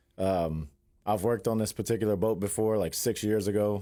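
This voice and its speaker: A man talks at a fairly quick pace with a fairly low pitch and a dark, mellow tone. The recording is very clean, with a silent background. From Louisiana, New Iberia. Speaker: offshore worker and volunteer. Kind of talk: casual interview. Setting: studio.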